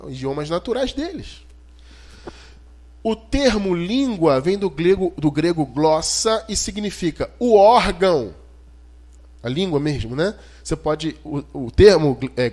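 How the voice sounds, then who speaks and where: A man's voice: high-pitched, darkish tone. A man with a Brazilian Portuguese accent preaching an expository sermon in an emphatic, didactic way, putting rhetorical questions to his listeners. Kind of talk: expository sermon, teaching scripture verse by verse.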